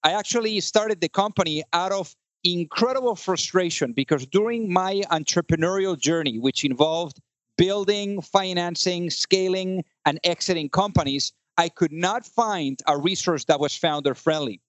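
A man with a high voice hosts a business podcast. He sounds upbeat and doubles up words for emphasis. The recording is close and dry. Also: moderate pace, no echo. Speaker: podcast host. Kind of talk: podcast hosting and ad read.

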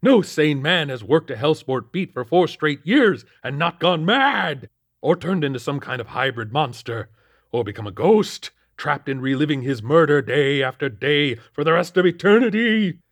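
A man voicing a paranoid, half-mad older police captain who shouts and cackles. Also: on the high side, very animated, normal speed, dry recording, clean studio sound, pitched above the performer's own voice. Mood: agitated. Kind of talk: audiobook character voice.

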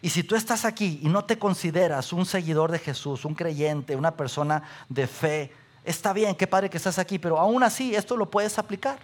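Animated high-voiced pastor. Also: male voice, moderate pace. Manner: animated, asks the audience questions, repeats lists. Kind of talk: sermon.

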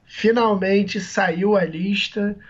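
A man, hoarse from a cold, co-hosting a podcast in casual, rambling chat with many restarts. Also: high-pitched, steady tone, slow pace, muffled recording. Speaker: podcast co-host.

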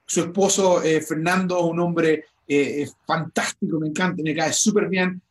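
A man's voice: on the high side, steady tone, moderate pace. A man hosting a motivational interview, enthusiastic and full of stammered restarts. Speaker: host.

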